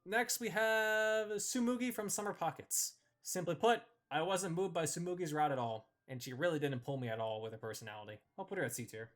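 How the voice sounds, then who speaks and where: A man's voice: on the high side, brisk, hardly any pauses, a bit bright. A man hosting a ranking video, delivering scripted, opinionated commentary with emphatic phrasing. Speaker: host ranking visual novel characters.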